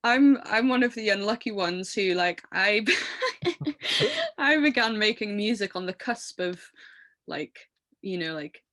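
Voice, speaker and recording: A woman in her thirties with an English accent and a low, smoky voice, talking casually and animatedly as an interview guest, laughing often and filling with "like". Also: expressive, measured pace, long pauses, fairly bright tone, no echo. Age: 30s. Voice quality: low voice from years of smoking. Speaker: musician guest.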